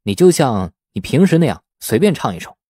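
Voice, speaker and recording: A man voicing an encouraging, easygoing young man, lively intonation. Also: medium pitch, a little fast, slightly rough, no echo, studio quality. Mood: teasing.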